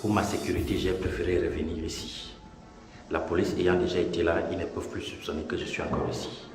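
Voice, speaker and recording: Deep, hushed, menacing fugitive man. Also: flat delivery, a little fast. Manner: hushed, threatening. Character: menacing male fugitive buying silence and protection. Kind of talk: TV drama acting. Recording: echoey room under loud music.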